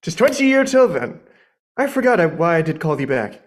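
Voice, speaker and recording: An earnest, impulsive young woman in love, acted by a man, speaking Shakespearean verse in a fairly high voice. The delivery is theatrical and devoted, as in an amateur stage reading. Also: big pitch swings, brisk. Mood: wistful, tender.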